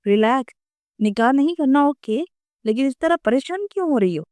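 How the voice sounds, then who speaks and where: A woman voicing a gentle reassuring male boss. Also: high-pitched, lively intonation, no echo, pitched above the performer's own voice.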